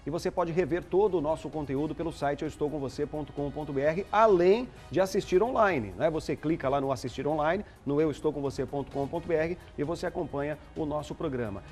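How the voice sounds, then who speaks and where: Brazilian male TV host, quick and chatty, slightly high-pitched, faint background music. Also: darkish tone. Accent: Brazilian Portuguese. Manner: brisk, promotional, asks questions with many fillers. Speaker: TV talk show host. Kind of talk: live TV interview.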